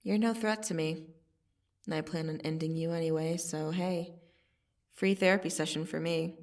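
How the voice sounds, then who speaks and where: A woman playing a cocky, teasing vampire assassin in an ASMR roleplay, casually menacing, with a sardonic delivery and long pauses. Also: sits low, fairly even intonation, a little mellow, distant mic. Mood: teasing, matter-of-fact. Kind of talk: ASMR roleplay monologue to the listener.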